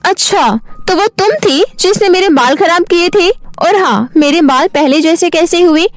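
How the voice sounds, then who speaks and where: A woman's voice: very high voice, measured pace, no room sound, voice pushed up. A woman voicing an earnest, emotional young woman who competes in a cartoon story. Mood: indignant.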